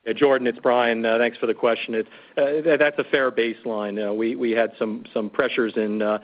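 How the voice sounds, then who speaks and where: A man answering as a finance executive on an earnings call, halting, with repeated words. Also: mid-range voice, fairly even intonation. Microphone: conference call line. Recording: dull lo-fi call audio.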